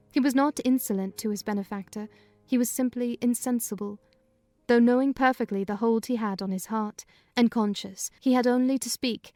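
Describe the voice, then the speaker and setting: A woman giving a dramatized first-person reading of a classic novel in measured, clear storytelling. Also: a little high, darkish tone, dry recording. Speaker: reader of a novel.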